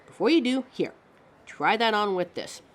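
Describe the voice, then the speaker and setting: A woman's voice: medium pitch, animated, moderate pace, a little hiss or hum, natural voice. A woman voicing a living fashion mannequin in a scripted audio roleplay, haughty yet encouraging, with a dramatic, articulate delivery aimed straight at the listener. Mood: excited, approving. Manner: theatrical, dramatic, articulate, addresses listener as darling.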